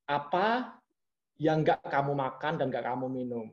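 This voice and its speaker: A man's voice: a little high, a little slow. A man as an interview guest, chatting casually and acting out the people in his stories. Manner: animated storytelling, acts out quoted bosses. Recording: muffled lo-fi audio.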